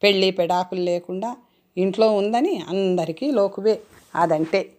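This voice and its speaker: A woman voicing a sharp-tongued older mother-in-law who scolds and whines. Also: medium pitch, moderate pace, natural voice. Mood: grumbling. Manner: scolding, whining.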